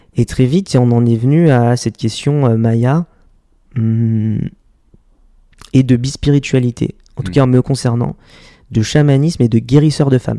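A man with a dark, mellow tone and medium pitch speaks at a fairly slow pace, using fairly even intonation and long, frequent pauses. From France (adopted from Guatemala at age two). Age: 30s. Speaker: copywriter. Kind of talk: casual chat.

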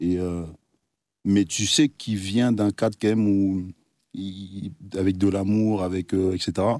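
A man with a fairly low pitch speaks at a very slow pace, with long, frequent pauses, fairly even intonation and a dry, close sound with no echo. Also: very clean recording, silent background. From Cameroon, Yaoundé. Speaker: American football player and coach. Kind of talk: casual interview.

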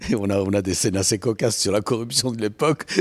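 A man with a fairly low pitch and a normal speaking voice talks at a moderate pace on a very clean recording with a silent background. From Armenia (Yerevan), later France. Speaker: playwright and actor. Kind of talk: interview.

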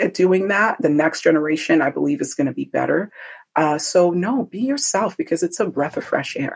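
A woman speaks in a plain, everyday voice at a fairly low pitch, with lively intonation and a moderate pace. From Nigeria, moved to US at nine. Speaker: fashion entrepreneur. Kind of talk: interview.

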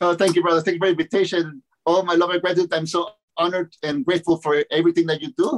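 Talking at a very fast pace, a man uses a high pitch. His intonation stays fairly even. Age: 40s. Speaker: spiritual teacher and author. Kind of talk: interview about spirituality.

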